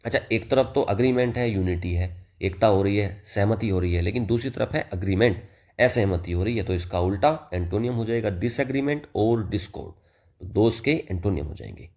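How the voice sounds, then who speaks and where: A man giving a vocabulary lesson, explaining English words in a relaxed, chatty way and reading example sentences slowly. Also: on the low side. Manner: mixes Hindi and English, addresses listener as "bhai". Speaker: vocabulary teacher.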